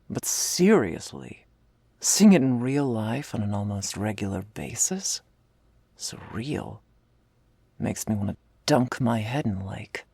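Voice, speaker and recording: A woman voicing a tough but secretly tender female half-orc commander in a slow, confessional ASMR role-play, with a husky, gravelly, breathy voice. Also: very deep voice, no echo, heavily acted. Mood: earnest, confiding. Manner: slow confessional delivery, often dropping in a soft voice.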